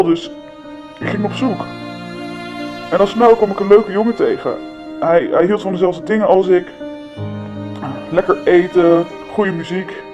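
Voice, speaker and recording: A woman in her twenties playing an anonymous young woman who hesitantly confesses, her voice disguised by shifting it down deep. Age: 20s. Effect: voice disguised, pitched down deep. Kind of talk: confessional documentary interview. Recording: music playing underneath. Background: music.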